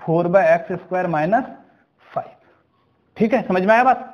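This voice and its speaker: In dull-sounding audio, a high-voiced man works through maths problems slowly and methodically. He often stops to ask whether his students have understood.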